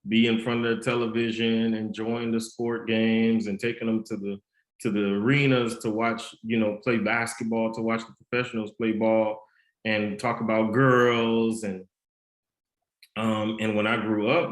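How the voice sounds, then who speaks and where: A man with a slight Haitian Creole accent, a guest author and mentor telling his story in an earnest, measured way in a podcast interview. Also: lowish voice. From United States. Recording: roomy echo.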